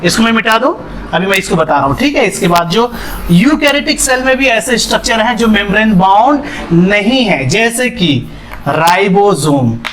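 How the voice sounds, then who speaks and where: A young man with a high, fairly bright voice teaches a biology lesson at a whiteboard. He poses questions and answers them himself, sprinkling English terms into his speech.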